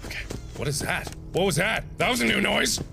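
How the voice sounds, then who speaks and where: A man playing a horror game with excitable let's-play commentary, jumpy and dramatic, swearing and swinging from hushed muttering to screaming. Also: sits high, fairly quick, creaky, faint music behind.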